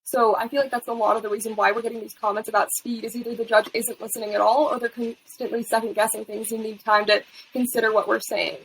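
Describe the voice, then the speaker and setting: A woman's voice: on the high side, level tone, fast talker, vocal fry, few pauses, fairly bright tone, a little hiss or hum, rough recording. A young woman on a panel discussion, talking casually with fillers.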